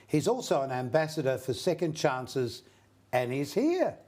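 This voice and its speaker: A man's voice: a little high, sing-song, unhurried, darkish tone. An older man hosting a conversational interview, bantering with dry humour as he asks questions. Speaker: interview host.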